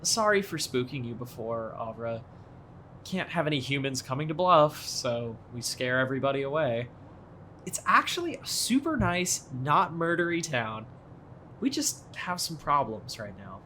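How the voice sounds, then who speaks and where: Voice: medium pitch, big pitch swings, moderate pace, bright, forceful tone, a little hiss or hum. A young adult actor playing a friendly, worried small-town boat owner in an audio drama, speaking in a conversational, earnest way. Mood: worried, candid. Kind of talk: naturalistic audio drama acting.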